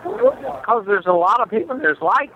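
A man's voice: very high-pitched, wildly swooping pitch, a little slow, highs cut off, slight background noise. A man at a theme park, passed the phone and giving short, reluctant answers.

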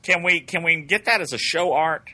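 A man's voice: fairly high pitch, normal speed, sharp tone. A man in casual podcast chat, trading crude jokes and teasing banter. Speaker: regular guest.

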